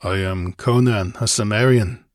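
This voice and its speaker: A man voicing a gruff, blunt barbarian warrior with grim humor in a fantasy audiobook, growling and snarling his words. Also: fairly low pitch, a little slow, dry recording, studio quality, natural voice.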